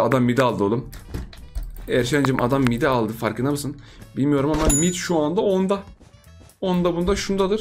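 A man giving live gameplay commentary, excitable and playful, teasing his opponents and chanting repeated words in a sing-song way. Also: medium pitch. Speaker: gaming YouTuber.

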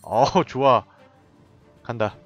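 A man giving excited, running commentary while playing a tower defense game, often laughing and reacting out loud. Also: mid-range voice, drawn-out words, faint music behind. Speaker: game streamer. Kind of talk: live gameplay commentary.

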